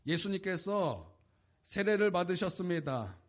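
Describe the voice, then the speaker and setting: A man's voice: high-pitched, sing-song, a little slow. A man preaching a Sunday sermon as pastor, with emphatic repetition and rising exhortations.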